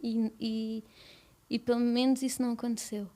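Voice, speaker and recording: Speaking as a guest in a personal interview, a young woman with a European Portuguese accent talks softly and hesitantly, frequently starting over. Her pitch is a little high and her delivery flat.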